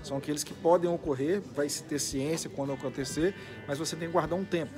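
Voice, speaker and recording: Higher-pitched Brazilian man explaining law over music. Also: steady tone, fast. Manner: didactic, with hypothetical examples. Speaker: judge, interview guest. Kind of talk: measured legal explanation.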